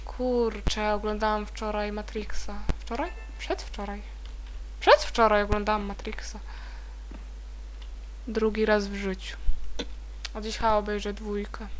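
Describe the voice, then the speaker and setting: A young woman casually commenting as she plays a video game, chatty and easily startled into high shrieks. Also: flat delivery, unhurried, pauses often, noisy background. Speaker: let's play gamer.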